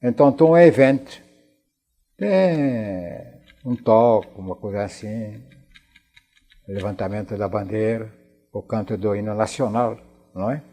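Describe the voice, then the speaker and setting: Elderly French man, halting and mellow. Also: lowish voice. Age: 90s. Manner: halting, repeats words and phrases. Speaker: interview guest, war veteran. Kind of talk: conversational recollection in a television interview.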